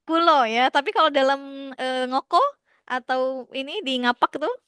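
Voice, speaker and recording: A woman's voice: high voice, moderate pace, fairly bright tone, dry recording, studio quality. A young woman teaching a class, talking casually, laughing often and asking students questions, with many fillers.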